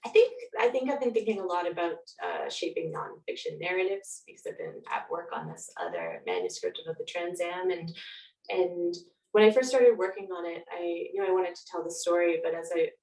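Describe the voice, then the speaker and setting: A woman's voice: fairly low pitch, big pitch swings, brisk, darkish tone. A Canadian woman speaking casually as an interview guest, thinking aloud reflectively in loose, trailing clauses. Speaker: podcast guest, nonfiction author. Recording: roomy echo, distant from microphone.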